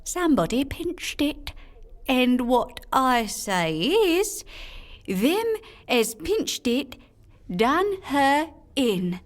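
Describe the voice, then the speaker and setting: A woman's voice: high voice, very animated, very slow, voice pushed up, full character voice. A woman playing a young, suspicious Cockney flower girl, gossiping emphatically in a radio drama monologue. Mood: indignant, conspiratorial.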